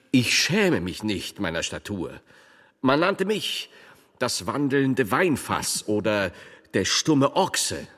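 Portly medieval monk, pedantic, hesitant, husky voice, animated pitch, audio drama, reverberant hall. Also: male voice. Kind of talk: theatrical German audio drama dialogue.

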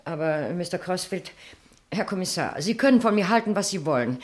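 Woman acting proper, defensive cook, lowish voice. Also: expressive, fairly quick, lightly acted. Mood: ashamed, defensive. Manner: polite, formal, hesitant when pressed. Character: defensive, proper English female cook under police questioning. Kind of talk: German crime radio play acting.

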